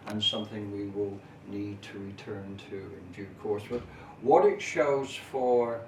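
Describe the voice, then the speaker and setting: A man with a slightly low voice gives an explanatory local history talk at a very slow pace. His phrasing is formal and measured, with hesitant pauses as he works through details. The sound is very echoey, picked up in a room by a camera microphone. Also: a little mellow, far from the mic, a little hiss or hum. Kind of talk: informal explanatory talk at an exhibition display.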